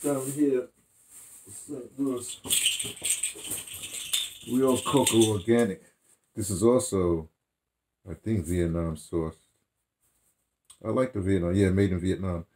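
An American man in his seventies with a husky voice, reminiscing casually to camera in a halting, digressive way, correcting himself as he goes. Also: on the low side, darkish tone, poor audio. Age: 70s. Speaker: theatre director and radio dramatist recounting his career. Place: small furnished room indoors.

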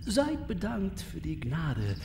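A man's voice: fairly high pitch, huge pitch swings, takes it slowly, gravelly, roomy sound, noisy background, heavily acted. A man playing a servile palace slave messenger in an audio drama, speaking in a flowery, ceremonious way. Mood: reverent. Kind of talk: German audio drama acting.

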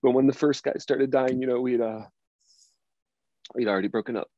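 A man's voice: mid-range voice, steady tone, fairly quick, warm tone, lightly acted. A man acting a grieving, well-to-do gay man in his late thirties at a table reading, speaking hesitantly and repeating words. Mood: wistful, bitter. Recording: dull, roomy sound.

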